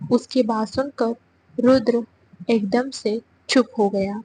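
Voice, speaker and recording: A woman narrating a romance audio story in an even storytelling delivery. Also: a little high, slightly rough, poor audio.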